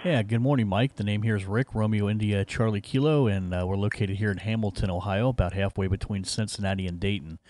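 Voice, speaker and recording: A man's voice: lowish voice, quick pace, few pauses, darkish tone, no echo. A man working as an amateur radio operator, giving call signs in phonetic words and making casual contact. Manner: repetitive phonetic call-sign delivery. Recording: faint background radio hiss. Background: faint hiss.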